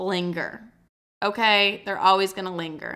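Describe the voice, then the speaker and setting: Bright, sharp, animated woman's voice at a moderate pace on a very clean recording with a silent background. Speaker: podcast host. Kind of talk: casual solo chat, monologue with profanity. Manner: animated, chatty; stumbles and stutters on words.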